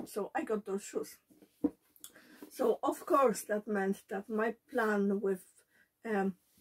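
A woman with a fairly high pitch speaks at a very slow pace with long, frequent pauses, in a dry, close sound with no echo. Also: ordinary pitch variation. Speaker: sewing vlogger. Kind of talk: casual talk to camera.

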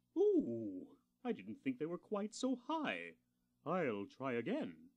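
Using a cartoonish character voice, a man talks at a high pitch and a fairly slow pace. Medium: puppet. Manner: theatrical, excitable.

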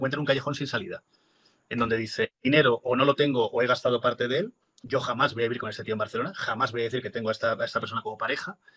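A man talking at a very fast pace, fairly even in intonation, against a quiet background. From Canary Islands. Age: 50s. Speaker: investigator guest; guest. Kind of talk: interview discussion. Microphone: video call.

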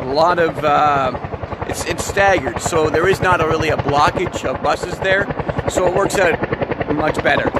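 Loud background noise sits behind a man talking at a moderate pace, his sound dry with no echo. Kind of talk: casual vlog chat. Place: street. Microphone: phone near.

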